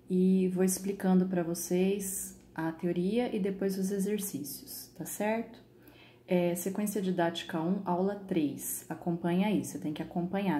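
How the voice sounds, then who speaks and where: Brazilian woman teacher, mellow and patient. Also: on the low side. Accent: Brazilian Portuguese. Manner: patient, repeats "tá?" and "tá bom?" to check in. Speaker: English teacher. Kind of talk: recorded online class. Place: home with computer. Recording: echoey room, faint background noise.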